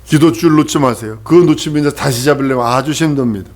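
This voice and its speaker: Man, a pastor preaching; somewhat high voice, emphatic, repeats his points and quizzes the congregation. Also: fast. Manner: emphatic, repetitive, asks the congregation questions. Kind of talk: sermon.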